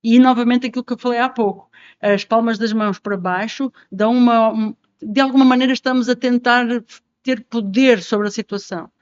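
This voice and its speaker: A woman's voice: on the high side, fairly quick, clean tone, dry recording. Portuguese woman acting out everyday phrases. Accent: European Portuguese. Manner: acts out example phrases, animated. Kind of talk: explanatory conversation. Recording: dry, dull lo-fi sound.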